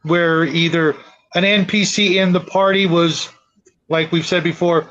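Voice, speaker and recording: A man hosting a casual panel discussion about tabletop gaming, talking in a halting, rambling way and repeating words as he goes. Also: a little high, steady tone, a bit bright, dull audio.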